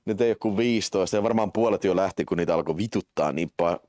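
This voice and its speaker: A man hosting a live stream, chatting casually with viewers and swearing at his own slips, then calling a game's events in quick excited play-by-play. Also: no room sound, clean studio sound. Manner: swearing, self-mocking, jumps to excited high-pitched play-by-play. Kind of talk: casual live-stream chat and game commentary.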